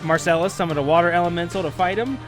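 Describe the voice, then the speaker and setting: Casual male podcast host, higher voice. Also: racing. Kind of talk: casual podcast intro and recap. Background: music.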